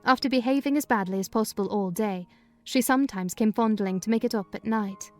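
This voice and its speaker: A woman's voice: mid-range voice, faint music behind. Woman reading a classic novel aloud. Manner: measured storytelling. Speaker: narrator. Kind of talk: dramatized audiobook reading.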